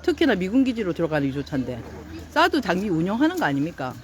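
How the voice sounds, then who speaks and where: A woman's voice: lowish voice, very animated, fast, a little hiss or hum. A woman at an outdoor protest who scolds the police, insistent and repeating her demands. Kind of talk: heated street confrontation.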